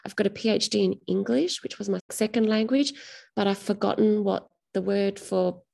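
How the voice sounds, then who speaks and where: A middle-aged woman being interviewed about her writing. Her voice is dark and mellow with a gravelly edge. She speaks thoughtfully and often restarts her phrases. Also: mid-range voice, steady tone, moderate pace. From Australia. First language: Greek. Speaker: author.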